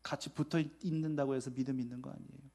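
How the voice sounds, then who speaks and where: A male pastor preaching a sermon in a lively way, acting out scenes and turning to the congregation with questions. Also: mid-range voice, quick pace, vocal fry, slightly rough. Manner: lively, dramatizing scenes with acted-out quotes and asides to the congregation.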